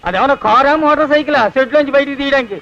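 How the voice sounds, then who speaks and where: A man's voice: very high-pitched, rapid-fire, sharp tone, full character voice. An actor playing a cheeky male servant who teases his master with wisecracks in a film comedy. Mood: teasing. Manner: teasing, wisecracking. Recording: dull film soundtrack.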